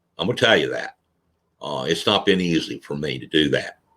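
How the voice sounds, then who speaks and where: A man drawls in a very deep, low pitch with vocal fry. His tone is bright and sharp. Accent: Southern US. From US South, North Carolina (Goldsboro, Wayne County). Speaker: talk show host. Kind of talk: personal memoir talk. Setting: on camera livestream. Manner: slow drawl; halting, many fillers.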